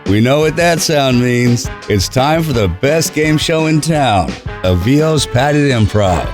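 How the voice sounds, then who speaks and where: Lively, teasing male podcast host. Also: mid-range voice, slow, music in the background. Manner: joking, teasing. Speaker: podcast co-host, military veteran. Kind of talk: casual banter and hosting.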